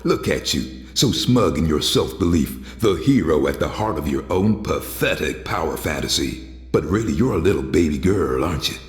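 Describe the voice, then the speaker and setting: A hardened, sardonic antihero for a video game. His gruff voice sits very low and taunts in plain, streetwise phrases. The sound carries hall reverb. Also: expressive, moderate pace. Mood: menacing scorn. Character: gruff, tough, cynical male antihero with shadow powers. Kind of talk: video game drama acting.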